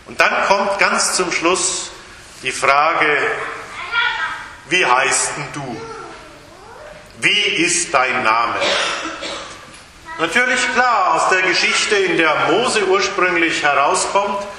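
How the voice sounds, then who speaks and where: A male pastor preaching a lively sermon at a baptism service in a church, shifting his emphasis and acting out voices in quotes. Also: a little high. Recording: very echoey church hall, faint hiss.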